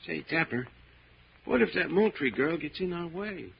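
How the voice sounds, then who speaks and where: A man's voice: fairly high pitch, animated, normal speed, creaky. An actor playing a nervous, superstitious crook and reluctant sidekick in an old radio drama, stammering and whining in tough-guy slang. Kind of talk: 1940s-50s radio drama acting. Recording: muffled old radio recording, faint hiss.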